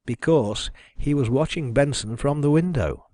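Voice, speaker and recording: A man's voice: mid-range voice, mellow, dry recording, studio quality, natural voice. A man voicing a confident, methodical detective who explains his deductions precisely in an audiobook mystery. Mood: assured, reasoning. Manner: measured, assured, precise.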